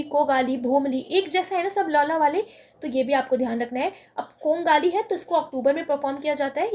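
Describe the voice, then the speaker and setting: A woman's voice: sits high, a little mellow. A woman teaching a lesson on memory tricks, explaining step by step and answering her own questions.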